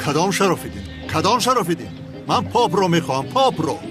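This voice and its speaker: A pushy, demanding bully, dubbed by a man who gives blunt orders. His pitch swings widely and sits a little high. Clear music plays behind him. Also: very animated. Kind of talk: film dub.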